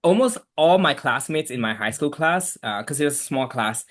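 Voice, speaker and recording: A man's voice: a little high, lively intonation, moderate pace, fairly bright tone. Easygoing Malaysian man chatting. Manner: easygoing, chatty with frequent fillers. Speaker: guest, immigration attorney. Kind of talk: casual interview.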